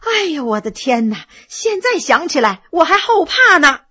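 A woman voicing an excitable young girl who tells her story breathlessly with many exclamations. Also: high-pitched, moderate pace, dull audio, full character voice. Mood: excited.

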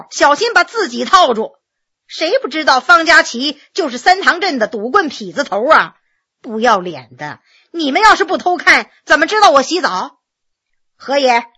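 A woman's voice: high-pitched, big pitch swings, normal speed, pushed and bright, heavily acted. A woman voicing a bold widowed woman who scolds her accusers with scorn and defiance, in a storybook reading. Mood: defiant scolding.

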